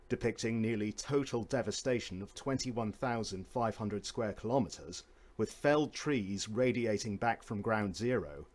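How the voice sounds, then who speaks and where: A man reading scripted documentary narration in a measured, formal storytelling manner. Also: fairly low pitch, a little mellow.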